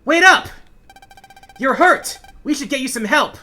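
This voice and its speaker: A woman voicing an earnest, gentle young boy hero in a game story, speaking sincerely and a little hesitantly. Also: sits high, lively intonation, unhurried, faint music behind, full character voice. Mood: alarmed. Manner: soft-hearted, sincere, hesitant.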